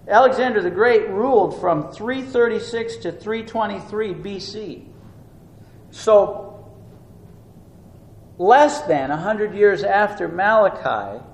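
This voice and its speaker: A man preaching a sermon. He teaches earnestly, rising and slowing down for emphasis. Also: high voice. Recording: echoey room with faint noise.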